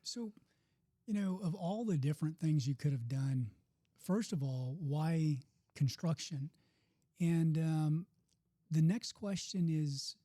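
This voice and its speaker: A man hosting a podcast, his voice dark and mellow, sitting slightly high for a man. He asks questions in a relaxed, easygoing way, with casual fillers. The sound is close and dry. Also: no echo. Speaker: podcast host. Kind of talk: podcast interview.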